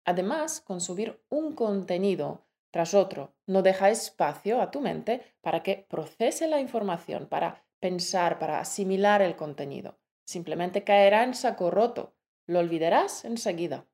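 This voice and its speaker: Woman teaching in clear, deliberate tones. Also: medium pitch, expressive, warm tone. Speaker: language teacher, co-host. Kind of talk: scripted language lesson.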